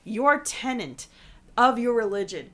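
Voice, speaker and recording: A woman's voice: a little high, expressive, unhurried, a bit bright. A woman with a stuffy nose from a cold, co-hosting a podcast in casual chat, sarcastic and easily exasperated. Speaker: podcast co-host.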